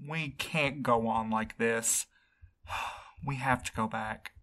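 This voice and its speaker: A man's voice: mid-range voice, slow pace, sharp tone. A man playing an exhausted, worried courier in an audio drama, earnest and weary in manner. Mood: resigned. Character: exhausted, worried male courier missing his partner. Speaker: actor in a fiction podcast. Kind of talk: naturalistic audio drama acting.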